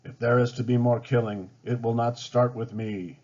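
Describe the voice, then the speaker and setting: A man voicing a stern tribal chief and father in a storybook, solemn, grave and measured. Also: medium pitch, steady tone, a little mellow, muffled recording, natural voice.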